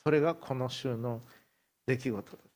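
A man's voice: mid-range voice, fairly even intonation, moderate pace, a little mellow. A middle-aged male pastor preaching a sermon, retelling a story vividly and with emphasis.

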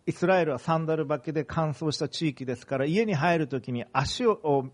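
A man preaching a sermon as a pastor, speaking in measured phrases with pauses. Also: a little high.

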